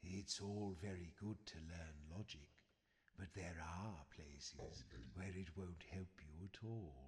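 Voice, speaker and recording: The voice is a put-on character done by a man. It sits at a very deep, low pitch. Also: fairly slow pace. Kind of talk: comic game voice acting. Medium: game stream. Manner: dry, sarcastic.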